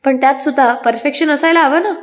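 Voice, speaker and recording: This is a boastful young husband who laughs at his own jokes, spoken by a woman retelling the scene. He teases and insists, repeating his pleas. The voice sits slightly high and stays close to a narrator's own. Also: fast, close to an everyday voice. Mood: playful.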